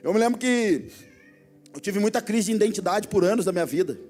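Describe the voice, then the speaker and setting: High-voiced Brazilian pastor preaching. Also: male voice, lively intonation, fairly quick, soft background music. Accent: Brazilian Portuguese. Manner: storytelling, swings from hushed asides to loud exhortation. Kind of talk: sermon. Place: church hall before a congregation.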